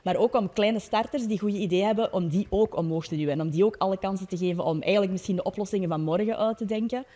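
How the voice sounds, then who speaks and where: A young adult woman with a Flemish Belgian accent giving an earnest, explanatory debate statement with hesitant pauses. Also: medium pitch, mellow. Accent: Flemish Belgian Dutch. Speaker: political youth-wing leader, debate panelist. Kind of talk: debate statement, semi-formal.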